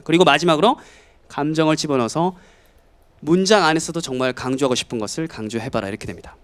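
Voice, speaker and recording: Korean guy teaching english, high voice, swings all over, plays out bits for the class. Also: smooth. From South Korea. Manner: animated, acts out students and family in quoted voices. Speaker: English lecturer. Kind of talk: lively lecture to students.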